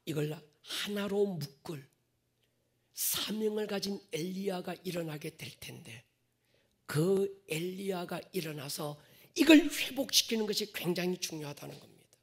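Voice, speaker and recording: A male pastor preaching a sermon to his congregation, swinging from loud stressed phrases to whispered endings and drawing out key words. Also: sits high, expressive, slightly rough. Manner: addresses the congregation directly, drawn-out stressed words.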